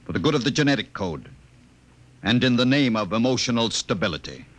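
An American actor in a 1950s radio drama playing a cold, menacing state director, measured and officious. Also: male voice, mid-range voice, expressive, noisy background, natural voice. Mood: icy, smug. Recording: vintage 1950s radio broadcast.

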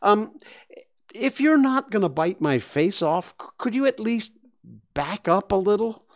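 A man's voice: sits high, lively intonation, measured pace, dry recording, clean studio sound, voice pushed up. A man voicing a nervous, polite young boy in a story, who stammers when frightened. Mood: scared.

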